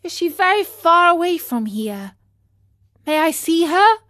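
Storybook puppet boy, high and breathless, eager and earnest, as a woman reads him out. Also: big pitch swings, a bit bright, heavily acted. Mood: pleading. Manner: breathless, pleading, rapid questions.

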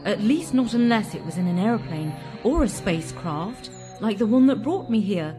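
A man voicing an excitable, pleading sixteen-year-old girl in a children's storybook. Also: high-pitched, normal speed, soft background music, pitched above the performer's own voice. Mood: delighted.

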